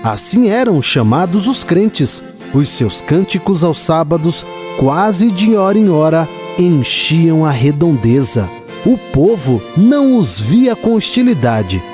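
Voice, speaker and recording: A Brazilian man narrating a literary radio drama in a measured, expressive storytelling manner. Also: on the high side, soft background music.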